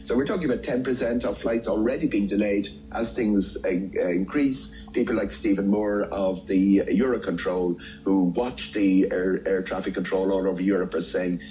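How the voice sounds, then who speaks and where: An Irish man giving unscripted expert commentary in a radio interview, in a halting, stop-start way with repeated words. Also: on the low side, dark tone, faint music behind, poor audio. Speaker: travel editor, studio pundit.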